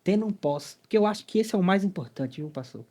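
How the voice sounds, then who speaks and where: A man's voice: high voice, lively intonation, fast talker, a little mellow. A man from Minas Gerais hosting a podcast, reacting with short exclamations and asking follow-up questions. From Minas Gerais, Brazil. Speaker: podcast host. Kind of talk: casual podcast chat.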